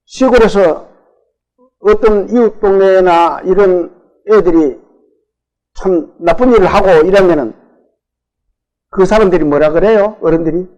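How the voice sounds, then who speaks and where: A man's voice: high voice, a little slow, pauses often, darkish tone, rough recording. A man with a Gyeongsang Korean accent preaching a sermon as pastor. He keeps asking the congregation questions, answers them himself and stretches out the words he stresses.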